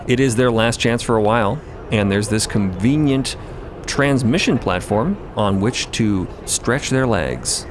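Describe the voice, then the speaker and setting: A man reading scripted story narration, with clear ambient noise running behind his voice. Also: lowish voice, unhurried.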